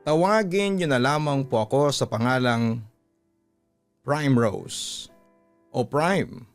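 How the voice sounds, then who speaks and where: A man's voice: medium pitch, slow pace, faint music behind. A man with a Filipino accent, a radio host reading a listener's letter as a dramatic first-person story.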